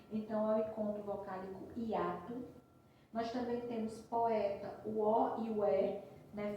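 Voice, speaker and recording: A woman's voice: a little high, mellow, slight background noise. A woman teacher giving a patient recorded review lesson, explaining step by step and checking in with frequent tags. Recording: roomy echo from a distance.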